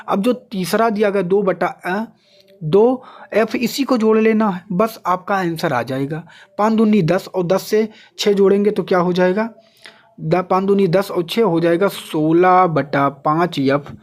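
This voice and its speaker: A man's voice: high voice, darkish tone. A man teaching a lesson step by step, in an instructional way, often asking questions and answering them himself. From India. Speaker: exam coaching teacher. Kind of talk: step-by-step maths and physics lesson.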